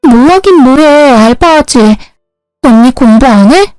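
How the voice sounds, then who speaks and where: A woman voicing a younger sister, a young woman who pleads in a high, whiny voice. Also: animated, unhurried, darkish tone, dry recording, soft background music, low-quality recording. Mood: pleading.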